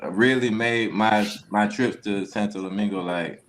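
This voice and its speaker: A man's voice: lowish voice, normal speed, fairly bright tone. A man talking in a friendly, easygoing way on a casual online panel. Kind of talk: casual group chat.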